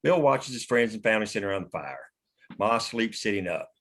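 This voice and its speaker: A man with a fairly low voice narrates a screenplay at a table read. He reads out scene headings and action as scripted narration. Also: animated, a little fast, a bit bright. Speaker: screen direction reader.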